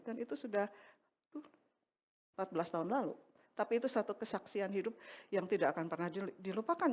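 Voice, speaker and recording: Animated middle-aged woman preaching. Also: on the high side. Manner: animated storytelling, acts out dialogue. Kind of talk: sermon with personal testimony. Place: church.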